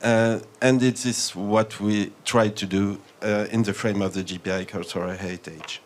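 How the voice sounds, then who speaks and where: A man with a strong French accent giving a measured, formal conference talk with frequent hesitations. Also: lowish voice, steady tone. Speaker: panel speaker.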